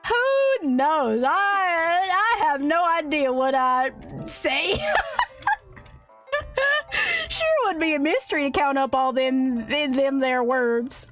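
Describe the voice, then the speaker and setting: High-pitched woman streamer, fake folksy drawl, goofy and giggly, faint music behind. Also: slow, a bit bright. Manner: exaggerated put-on country drawl, folksy and goofy; giggly, exclaiming. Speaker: streamer playing a game. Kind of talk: in-character let's play commentary.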